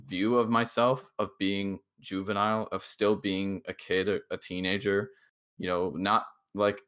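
A tipsy man in his twenties, a podcast co-host, chatting casually in a rambling, halting way full of fillers and restarts. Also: low-pitched, fairly bright tone. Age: 20s. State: tipsy from drinking shots.

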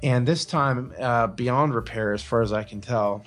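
A man's voice: medium pitch, a little slow, soft background music. A man telling stories in casual comedic podcast chat, swearing freely and grumbling with animation. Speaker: podcast co-host.

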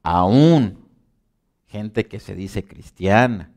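A man preaching a conversational sermon, asking many rhetorical questions and often restarting his words, with sudden loud emphasis and quiet low asides. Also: expressive, extremely slow, vocal fry. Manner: dramatic swings between loud emphasis and soft low asides.

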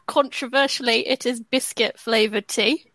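A woman's voice: a little high, steady tone, normal speed, a bit bright, no echo. An English woman hosting a podcast, reading a scripted intro and then chatting in an upbeat way and laughing often. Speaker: podcast host.

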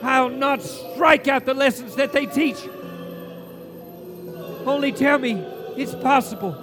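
A desperate old miser in a stage radio play. The voice is very high and slow, declaiming every plea with deliberate weight, with music clearly behind it. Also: male voice. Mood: desperate, repentant. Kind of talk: theatrical radio play acting. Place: theatre stage, live before an audience. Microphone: shared stage microphone.

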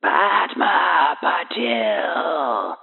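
A man voicing an unseen, menacing whispering voice, filtered and doubled with a whisper, speaking slowly with a hissing, gravelly breathiness. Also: on the high side, sing-song, pitched above the performer's own voice, full character voice. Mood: ominous. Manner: slow, hissing, solemn delivery. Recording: thin phone-like filtered sound.

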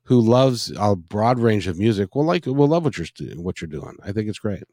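A man's voice: on the low side, animated, normal speed, mellow, no echo. Effusive, rambling man in a dry recording. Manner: effusive, rambling, repeats phrases. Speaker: interview host. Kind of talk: casual music interview.

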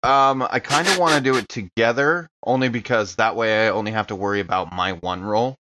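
A man playing a tabletop role-playing game, talking casually and haltingly, repeating himself as he describes his moves, on slightly dull close-up audio. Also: on the low side, pushed and bright, no echo.

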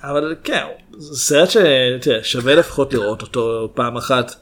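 Measured man reviewing films casually. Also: mid-range voice, fairly bright tone. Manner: measured, hesitant, many fillers. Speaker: podcast co-host. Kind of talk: casual film chat.

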